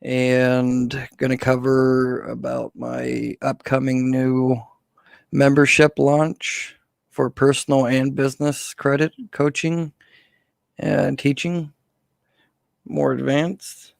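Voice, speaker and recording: Slightly hoarse guy chatting on a livestream, unhurried and halting, super dry close sound. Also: medium pitch, little pitch movement, no echo. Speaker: live stream host answering viewer questions. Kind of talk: casual live Q&A chat.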